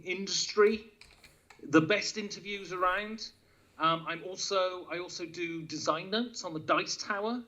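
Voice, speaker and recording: A man chatting as a guest on a video-call show, teasing and joking in quick banter. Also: high-pitched, bright, forceful tone. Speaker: guest, podcast host. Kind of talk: casual chat.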